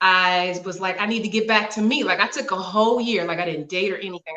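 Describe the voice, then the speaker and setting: A woman talks with an American accent at a fairly quick pace. Her pitch is medium and her intonation fairly even. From Detroit, then Georgia since 1989. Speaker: fitness and wellness coach. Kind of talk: interview conversation.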